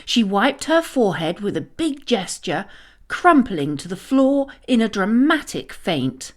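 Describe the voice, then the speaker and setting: A woman narrating a scripted children's story in a dramatic, expressive manner. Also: mid-range voice, measured pace.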